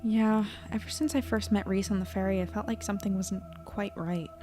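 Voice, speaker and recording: A woman's voice: medium pitch, fairly even intonation, brisk, dark tone, faint music behind, close to an everyday voice. A young woman playing an intuitive, guarded young journalist in an audio drama, casual but decisive. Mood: guarded, hushed.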